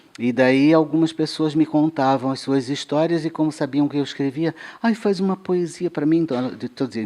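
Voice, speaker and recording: This man's voice sits fairly high in pitch. His tone is dark and mellow. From Florianópolis, Santa Catarina, Brazil. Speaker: poet and writer. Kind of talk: interview. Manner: gentle, soft-spoken.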